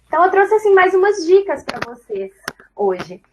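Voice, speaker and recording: High-pitched Brazilian woman presenting tips. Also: sing-song, moderate pace, slight background noise, low-quality recording. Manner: chatty, addresses viewers directly. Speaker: tech recruiter presenting on a live stream. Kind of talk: informal explanatory presentation with career tips.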